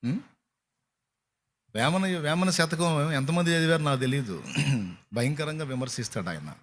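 Man, pastor, sermon, slightly high pitch, rhetorical questions, slow chanted verses. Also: expressive. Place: church hall at an all-night prayer.

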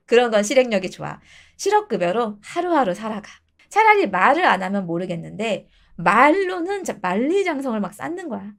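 A woman's voice: fairly high pitch, very animated, normal speed, creaky, fairly bright tone. A woman in her thirties giving blunt dating advice to her viewers in casual talk, switching between polite and informal speech.

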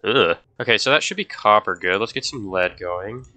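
A young man with a fairly low, expressive and sharp voice speaks at normal speed while playing a game on his video channel. Stuffy-nosed and sick, he gives chatty, casual commentary to viewers and is easily distracted.

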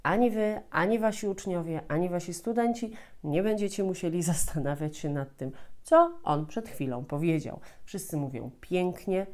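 A woman in her thirties with a slightly low voice speaks as a teacher presenting to camera. She explains things step by step, often restating a phrase before moving on. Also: a little mellow. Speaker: host, Polish language teacher. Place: small furnished room at home, indoors.

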